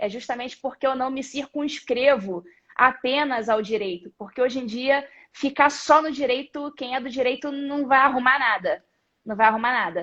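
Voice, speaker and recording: A high-pitched woman with a Rio de Janeiro accent, a bright, sharp tone and a moderate pace against a quiet background. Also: ordinary pitch variation. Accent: carioca. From Rio de Janeiro, Brazil. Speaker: judge and social media commentator. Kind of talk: casual live chat. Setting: online livestream.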